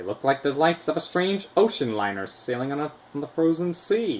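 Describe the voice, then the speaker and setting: A man's put-on character voice, fairly high in pitch, at a fairly quick pace. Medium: read story.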